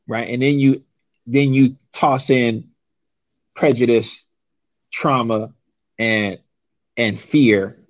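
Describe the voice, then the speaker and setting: A man's voice: medium pitch, steady tone, takes it slowly, pauses often, no room sound, highs cut off. A young man from San Francisco, talking casually and emphatically, often ending points with a rhetorical "right?". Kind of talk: casual conversation.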